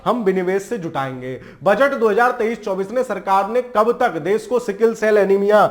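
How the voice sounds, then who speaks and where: A man's voice: sits high, normal speed. A man teaching an exam-prep lesson in a casual, joking way, with memory tricks and frequent check-ins, speaking. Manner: chatty, jokey memory tricks, frequent "ठीक है".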